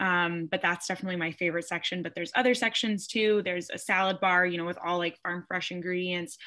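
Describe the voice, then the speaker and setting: With an American accent and a bright, sharp tone, a woman talks at a very fast pace with hardly any pauses and fairly even intonation against a quiet background. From New England, US. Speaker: student ambassador. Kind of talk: roundtable discussion. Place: home room. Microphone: video call.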